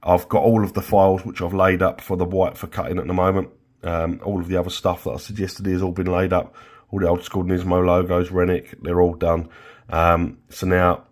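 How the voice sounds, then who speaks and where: A man with a flu-croaky voice, casually explaining his livery design work in a workshop vlog. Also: low voice. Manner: chatty, explains steps with many fillers. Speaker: vinyl livery maker.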